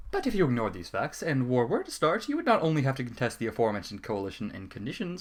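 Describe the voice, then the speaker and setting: Fast, very animated man reading aloud. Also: medium pitch. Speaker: narrator. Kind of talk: dramatic reading of a fan fiction letter.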